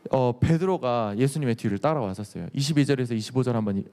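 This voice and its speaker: A man preaching a sermon as youth pastor, telling the story in an animated way and acting out the quotes. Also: medium pitch, fast. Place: church sanctuary. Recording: reverberant church hall.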